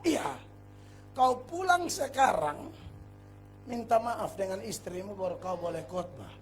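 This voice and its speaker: High-voiced male pastor, slow animated sermon. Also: faint music behind. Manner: animated storytelling, acts out scenes, shifts between hushed and shouting. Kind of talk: revival sermon with personal testimony. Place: large revival meeting.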